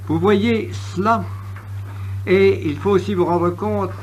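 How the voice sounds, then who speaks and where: Male history lecturer, fairly high-pitched, oratorical and emphatic, wry asides, faintly noisy old recording with clicks. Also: fairly even intonation, takes it slowly, a little mellow.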